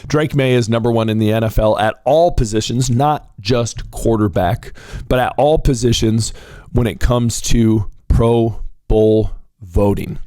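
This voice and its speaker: A hoarse young man, getting over a cold, hosting casual solo sports commentary in an excitable, rambling way and calling his viewers ladies and gentlemen. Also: medium pitch, a little slow, no room sound, clean studio sound. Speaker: sports talk show host.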